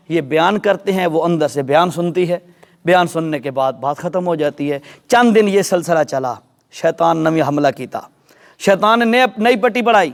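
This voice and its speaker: A man preaches in a mosque, telling a story with lively, animated delivery. His voice sits high for a man. He often turns to ask his listeners whether they follow. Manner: animated storyteller, addresses audience directly. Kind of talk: sermon storytelling.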